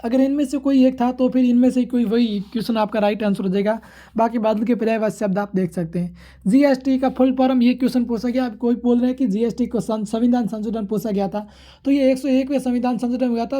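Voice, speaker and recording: A man's voice: very high-pitched, mellow. A man teaching exam prep, going informally through questions and answers in a repetitive, formulaic way.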